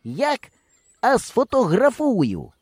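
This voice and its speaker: A man reading an audiobook, voicing an excitable, boastful boy who exclaims and teases his friends. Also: high-pitched, normal speed, no room sound, studio quality, pitched above the performer's own voice. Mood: excited. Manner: eager, exclaiming, sarcastic.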